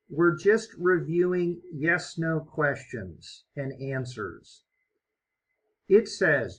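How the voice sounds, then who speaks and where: A man leads an online English lesson, guiding learners through each answer with slow, patient encouragement. His voice is fairly high and swings up and down a lot. It has a husky edge. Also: pushed and bright. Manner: slow, encouraging, explains step by step. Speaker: ESL teacher.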